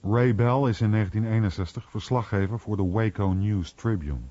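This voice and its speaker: A man's voice: on the low side, normal speed, dark tone. A man reading scripted narration for a radio documentary. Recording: muffled radio recording.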